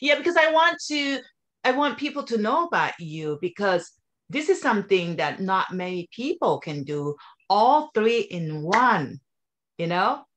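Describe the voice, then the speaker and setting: A woman's voice: medium pitch, sing-song, measured pace, a bit bright. A woman from Thailand hosting a casual interview over a video call, effusive and emphatic in how she talks. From born in Thailand. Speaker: interview host.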